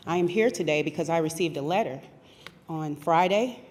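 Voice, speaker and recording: A woman's voice: low voice, normal speed, a little mellow. A woman giving public comment at a city council meeting, speaking plainly and directly. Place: council chamber. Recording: reverberant council chamber.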